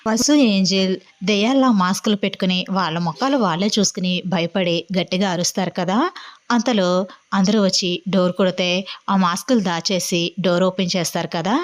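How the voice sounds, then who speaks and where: A woman narrating a serialized story episode as its regular storyteller, in a steady, explanatory way. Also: mid-range voice, fairly quick.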